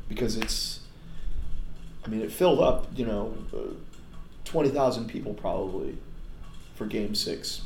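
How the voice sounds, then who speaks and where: A man whose voice is worn hoarse hosts a casual podcast, excitable and quick to shout. He sits in an echoey room with faint background hiss. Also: medium pitch. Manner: excitable, bursts into loud whoops. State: hoarse, lost voice. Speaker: podcast host.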